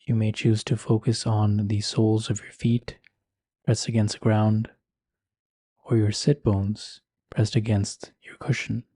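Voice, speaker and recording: A man leading a guided meditation in a calm, soothing, unhurried manner, leaving long pauses between phrases. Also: on the low side, dry recording, clean studio sound. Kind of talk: guided meditation, slow scripted instruction.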